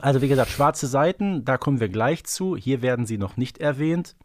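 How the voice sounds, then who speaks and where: A man's voice: mid-range voice, lively intonation, a little fast, dry recording. Guy podcaster, medium voice, dry sound, chatty and analytical, explains stuff emphatically. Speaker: podcast co-host. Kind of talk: analytical casual podcast chat.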